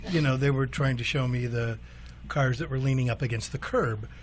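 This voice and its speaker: Relaxed older male car broker. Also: mid-range voice, brisk, a crowd in the background. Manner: relaxed storytelling, fillers and restarts. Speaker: in-studio guest, car broker. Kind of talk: casual interview talk. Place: radio studio.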